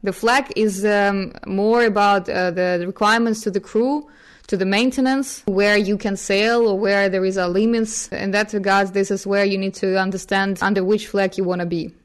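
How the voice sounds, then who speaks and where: A woman whose first languages are Ukrainian and Russian answers interview questions. She talks in a smooth, clear voice at a middle pitch. She pauses often with fillers and laughs softly. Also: steady tone. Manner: thoughtful, hesitant, with frequent fillers and soft laughs. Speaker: guest.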